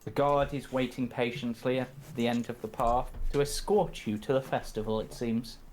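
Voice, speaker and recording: A man narrating a tabletop game as game master, improvising in a halting, conversational way. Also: mid-range voice, steady tone, a little mellow, slight background noise.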